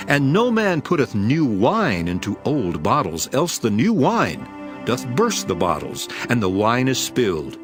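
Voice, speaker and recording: Male actor as calm authoritative teacher, solemn scripture drama, lowish voice, music underneath. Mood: teaching, solemn. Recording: music behind the voice.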